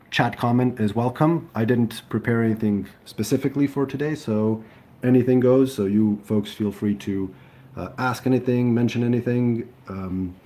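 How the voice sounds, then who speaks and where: Slow, mellow man chatting live. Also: mid-range voice. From Serbia. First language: Serbian. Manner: hesitant, many ums and restarts. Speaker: livestream host. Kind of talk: casual live chat reading comments.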